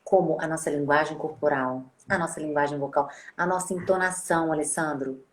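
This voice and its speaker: Animated Brazilian woman host, echoey room. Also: low-pitched, a little fast. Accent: Brazilian Portuguese. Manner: animated, acts out quoted greetings. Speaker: host, speech therapist. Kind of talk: casual interview chat.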